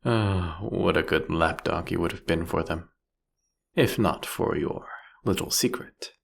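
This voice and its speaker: A man playing a captured vampire king in an audio roleplay, sardonic and silkily menacing, with a husky, gravelly voice and theatrical, taunting phrasing. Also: low voice, heavily acted. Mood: teasing, amused. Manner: theatrical, mocking, drawn-out, teasing phrasing. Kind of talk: scripted audio roleplay monologue addressed to the listener.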